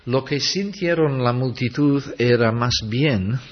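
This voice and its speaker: A man preaching a sermon slowly and deliberately, acting out quotes for emphasis. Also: medium pitch. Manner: slow, deliberate preaching with dramatic acted quotes. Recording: dull lo-fi recording.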